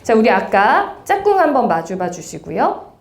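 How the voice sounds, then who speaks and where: A woman's voice: on the high side, normal speed. A woman speech lecturer giving an interactive seminar lecture in a university lecture room, talking straight to her audience. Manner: lively, addresses the audience directly.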